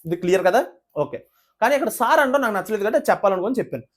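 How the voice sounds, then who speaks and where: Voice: medium pitch, expressive, racing. A reality show reviewer giving casual commentary to the camera, indignant, full of rhetorical questions and direct appeals to viewers.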